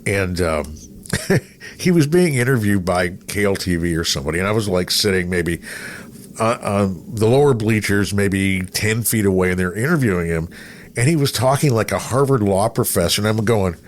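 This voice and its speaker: A middle-aged man with a lowish voice hosts a casual interview. He rambles through anecdotes like an animated storyteller. There is noticeable noise behind him. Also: moderate pace. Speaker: podcast host, veteran radio broadcaster. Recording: clear background noise.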